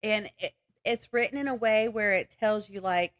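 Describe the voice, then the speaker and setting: A woman's voice: mid-range voice, normal speed. A woman podcast co-host chatting casually about books in a rambling, giggly way. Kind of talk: casual book chat.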